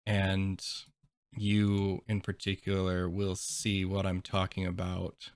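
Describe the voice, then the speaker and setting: Low, slow-talking male game master. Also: completely flat delivery, clean tone, no room sound. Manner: hesitant, halting, explanatory. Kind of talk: casual tabletop game narration.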